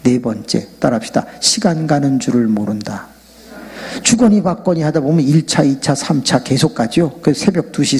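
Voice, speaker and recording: A male pastor with a very husky, breathy voice preaches a playful revival sermon in a big church sanctuary. His delivery swings widely in pitch, and he keeps getting the congregation to shout prayers. The long reverb of the hall trails after every phrase. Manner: jokey, animated, leads the crowd in loud shouted prayer.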